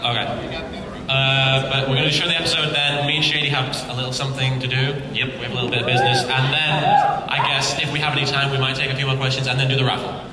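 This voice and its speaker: A man's voice: medium pitch, big pitch swings, fast. A man talking casually and a bit hesitantly as a panelist at a convention Q&A, somewhat self-deprecating. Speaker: convention panelist, web series creator. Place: large convention panel hall. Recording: echoey hall from far off, loud crowd noise.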